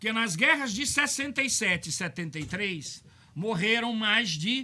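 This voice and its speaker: This man talks in a raised, projected voice that is high-pitched, bright and sharp. His intonation is lively and his pace is fairly slow. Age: 60s. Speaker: professor. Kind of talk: radio interview. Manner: explanatory, lecture-like.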